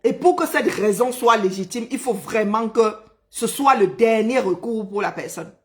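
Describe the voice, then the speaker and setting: A man's voice: high voice, normal speed. A man from Cameroon, ranting on a live stream, agitated and indignant, hammering his points home by repeating phrases. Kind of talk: angry live-stream rant.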